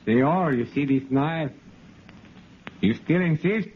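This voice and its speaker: A threatening bandit henchman in a 1950s radio play. His voice sits slightly high and his words come clipped. The sound is dull and lo-fi with clear hiss behind it. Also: takes it slowly. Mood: menacing. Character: menacing Mexican bandit henchman, adult male. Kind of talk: 1950s radio drama acting.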